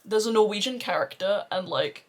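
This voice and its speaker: The husky-voiced woman you'd hear on a makeup tutorial, rambling playfully to her followers as she works. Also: medium pitch, moderate pace. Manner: playful, sweary, self-deprecating. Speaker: beauty vlogger doing a makeup tutorial. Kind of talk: casual rambling chat to camera.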